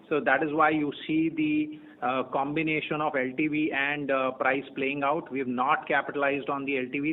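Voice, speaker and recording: A man with an Indian accent gives unscripted executive answers on an earnings call, measured and halting, often repeating phrases as he searches for words. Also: a little high. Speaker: company executive answering analyst questions. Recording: tinny narrow-band phone conference line.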